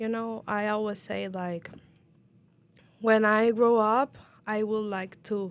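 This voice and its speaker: In a Cuban accent, a woman speaks at a very slow pace in a fairly high voice with fairly even intonation. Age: 20s. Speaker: ESL student. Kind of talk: interview testimony. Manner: halting, searching for words.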